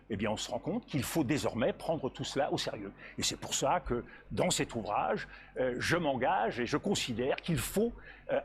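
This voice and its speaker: A man with a French accent talks in an earnest, formal political style over faint ambient noise. His voice is slightly high and very varied in pitch, with measured, hesitant phrasing.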